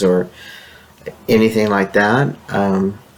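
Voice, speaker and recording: The speaker talks very slowly while background noise remains clearly noticeable. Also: man. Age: 60s. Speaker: vlogger sharing transgender journey. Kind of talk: personal testimony vlog. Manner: casual, hesitant with fillers.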